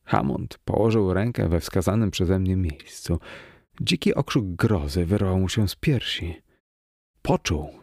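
A man with a low, gravelly voice reads a first-person horror tale with mounting tension. The sound is close and completely dry, with no room around it. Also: no echo. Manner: tense, expressive, rising to cries in the quoted lines. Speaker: audiobook narrator. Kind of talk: dramatic reading of a first-person horror story.

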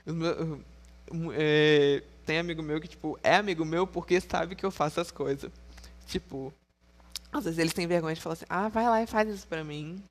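A young man vlogging in casual, frank storytelling to his viewers, playful and quick to laugh. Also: on the high side.

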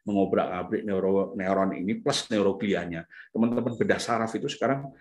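A man's voice: low-pitched, brisk. Man lecturing in an echoey room. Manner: conversational, many fillers like "gitu ya"; acts out parents and children in lively bursts. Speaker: lecturer on the brain and parenting. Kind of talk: casual seminar talk.

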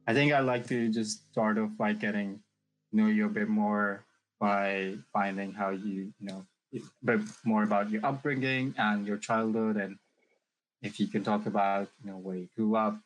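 A man hosting a podcast interview, asking gentle, rambling questions and offering soft murmurs of agreement. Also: on the low side, fairly even intonation, moderate pace, slight background noise, low-quality recording.

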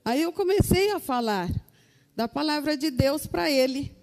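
A Brazilian woman with a mellow, fairly high voice tells an earnest church testimony. Her words carry a long, ringing reverb. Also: lively intonation, a little slow. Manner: earnest, addresses listeners as brothers. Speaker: church member giving testimony. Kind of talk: testimony to a congregation.

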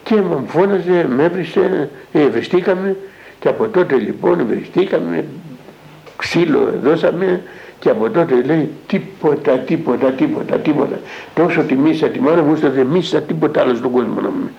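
A man's voice: fairly high pitch, expressive, gravelly. An older man, an elder monk, retelling a conversation in a spiritual talk and tagging each line with "I say" and "he says". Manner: recounts dialogue, with constant "I say, he says" tags. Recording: dull lo-fi radio broadcast recording.

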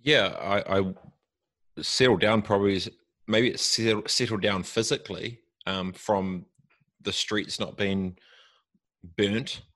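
A man with a New Zealand accent talking casually and reflectively as an interview guest, halting and repeating words as he thinks aloud. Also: lowish voice, steady tone, a bit bright, no echo.

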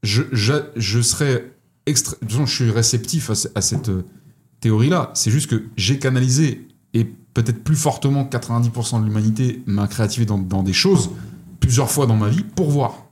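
A man's voice: medium pitch, a little fast, darkish tone. A man co-hosting a podcast, arguing his point in an intense, insistent and philosophical way. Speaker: podcast co-host. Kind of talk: casual podcast chat.

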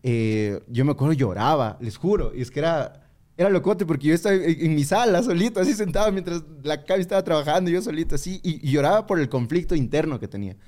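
Young man, lively storyteller. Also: a little high, fast talker. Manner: animated, acts out others in quoted voices. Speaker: comedian guest. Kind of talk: casual storytelling.

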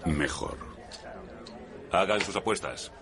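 An actor in a dubbed TV drama playing a cold, menacing gunfighter who speaks in curt lines. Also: male voice, low voice, takes it slowly, a crowd in the background.

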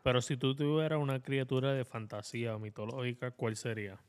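A man's voice: medium pitch, flat delivery, a little fast, clear, resonant tone. Slangy Puerto Rican man chatting in Spanglish. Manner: Spanglish, mostly Spanish with English dropped in; sweary, slangy. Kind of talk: casual slangy podcast banter.

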